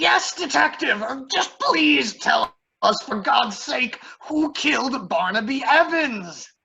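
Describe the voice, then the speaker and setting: A put-on character voice with a high pitch moves along at a fairly slow pace. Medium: comedy sketch. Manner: stammering, nervous.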